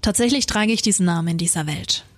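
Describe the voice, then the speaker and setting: A woman voicing Death as a calm male shadow figure, speaking low and hushed in a soothing tone. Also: quick pace, no echo, close to an everyday voice.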